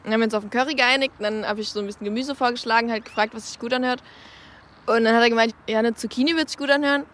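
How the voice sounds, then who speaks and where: High-voiced woman telling a casual story. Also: flat delivery, rapid-fire, fairly bright tone. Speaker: listener sending in a story.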